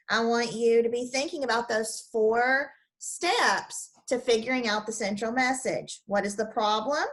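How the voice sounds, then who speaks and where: A woman's voice: on the high side, a bit bright, poor audio. A woman teacher explaining a lesson step by step to children, then reading a picture book aloud.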